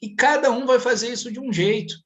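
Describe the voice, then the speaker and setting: Blunt, profane man, high voice. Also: fairly quick. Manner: blunt and profane, animated storytelling. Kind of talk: casual panel conversation.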